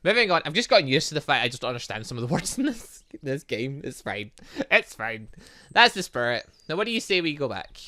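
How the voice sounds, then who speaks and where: Reading visual novel dialogue in a let's play, this man throws in commentary and frequently trips over words, then fixes them. His fairly high voice swings widely in pitch, with a sharp tone and quick pace, and the recording has no echo.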